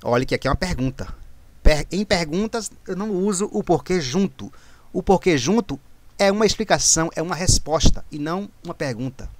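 A man's voice: on the high side, animated, a little fast, dry recording. A man, talking through exam grammar questions as a tutor, repeating himself and correcting his own slips. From Brazil. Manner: explanatory, repeats and self-corrects, frequent "né?".

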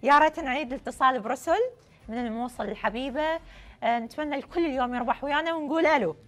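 A woman's voice: high-pitched, racing. A young woman with an Iraqi accent hosting a TV call-in game show in a playful, effusive way, often repeating her phrases. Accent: Iraqi Arabic. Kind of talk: lively game show presenting. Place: TV studio. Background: music.

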